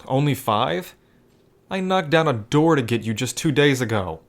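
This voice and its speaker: A man's voice: mid-range voice, lively intonation, normal speed, natural voice. A man as a playful, devoted flirt. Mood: playful, flirty. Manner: affectionate, casual, teasing. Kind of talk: scripted romantic audio roleplay spoken to the listener.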